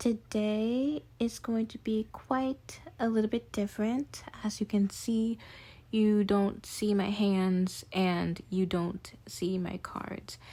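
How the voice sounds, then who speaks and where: Speaking at a very slow pace, a woman has a somewhat breathy, dark, mellow tone and a fairly high pitch. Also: fairly even intonation. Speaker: tarot reader. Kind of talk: pick-a-card tarot reading.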